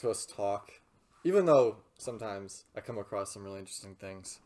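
A man's voice: fairly low pitch, lively intonation, brisk, darkish tone. Young man, casual podcast co-host, laughs often. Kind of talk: casual chat among friends.

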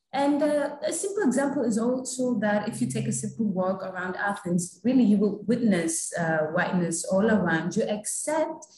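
A woman's voice: mid-range voice, darkish tone, reverberant, slight background noise, rough recording. A young woman from Greece, answering interview questions earnestly and thoughtfully, often checking in with the listener. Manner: earnest, thoughtful, frequent "you know" and "right?".

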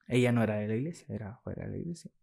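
Young Mexican-accented man, podcast guest, candid and animated storyteller who voices the people in his story. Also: on the low side, racing, vocal fry, breathy edge. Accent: Mexican Spanish. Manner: lively, acts out quoted dialogue, laughs while telling. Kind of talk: casual storytelling in an interview.

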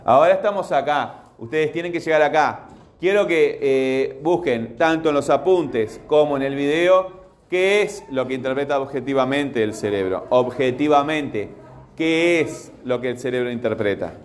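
A man's voice: medium pitch, expressive, normal speed. A man teaching a class, patiently questioning his students as he goes. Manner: patient, asks the class repeatedly.

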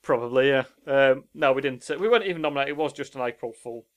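Rapid-talking, jokey podcast man. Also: medium pitch. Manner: self-deprecating, jokey. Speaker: podcast co-host. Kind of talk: casual comic banter.

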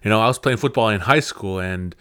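Male podcast host in his thirties, native Cree speaker, slightly low and smooth voice, dry close mic, casual halting delivery. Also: fairly bright tone, no echo. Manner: halting, often restarts phrases. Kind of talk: casual personal storytelling.

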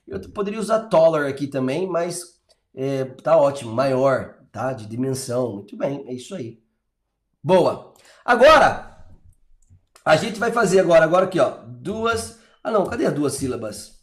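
A man's voice: a little high, sing-song, moderate pace, reverberant. A man with a Brazilian accent teaching English in a chatty, encouraging way, full of little fillers. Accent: Brazilian Portuguese. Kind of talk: live online English lesson.

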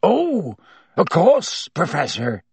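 A man voicing a big, soft-hearted groundskeeper in a storybook, husky and full of emotion. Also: high voice, huge pitch swings, takes it slowly, dry recording, voice pushed up, heavily acted. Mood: weakly happy. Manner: emotional, exclaiming.

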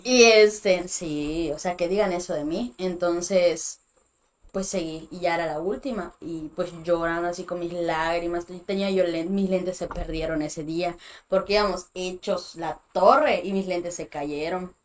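A young Mexican woman with a Mexican accent, telling personal stories in a casual chat, full of fillers and animated asides. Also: on the low side, a little slow. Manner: chatty, animated, many fillers like "este". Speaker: guest.

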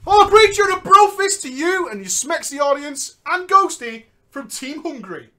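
A man's voice: very high-pitched, expressive, moderate pace. Joking man reading stories aloud. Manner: jokey, laughing, switches between loud bursts and muttered asides. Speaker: show host reading viewer stories. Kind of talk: comedic reading and banter.

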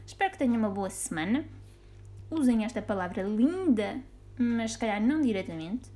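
A woman with a European Portuguese accent hosting a casual solo podcast. She is chatty and playful and laughs easily at her own jokes. Her voice sits a little high. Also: lively intonation, moderate pace, mellow, faint music behind. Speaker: podcast host.

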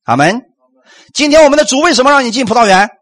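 A man preaching a sermon to a congregation, animated and full of rhetorical questions. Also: very high-pitched, fast talker.

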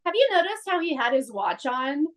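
A young woman co-hosting a casual podcast, recapping a TV episode and acting out the characters' lines with big jumps in her voice. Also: moderate pace. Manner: animated storyteller, acts out characters' lines with big pitch jumps. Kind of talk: casual chat.

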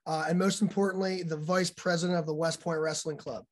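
A man's voice: on the high side, steady tone, a little fast. A male podcast host, his voice still recovering from being lost, asking loose, rambling questions with many fillers. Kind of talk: casual podcast interview.

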